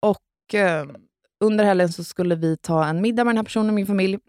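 A young woman co-hosting a podcast tells a personal story in casual chat, candid and swearing freely, retelling moments with "jag bara". Her medium-pitched voice is a little mellow, recorded studio quality with no echo.

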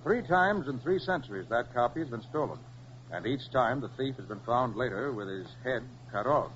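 An actor playing a brisk, confident American master detective in a 1940s radio drama, speaking with crisp authority. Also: male voice, mid-range voice, expressive, fairly bright tone, lightly acted. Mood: dismissive. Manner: crisp, authoritative, matter-of-fact. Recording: muffled, hissy 1940s radio recording.

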